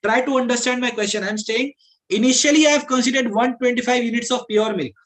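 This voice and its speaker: Quick-paced and a bit bright, a man's extremely high-pitched voice carries a South Asian accent. Teaching an aptitude lesson, he explains one step at a time, repeats points, combines English with Hindi, and frequently asks if the class understands.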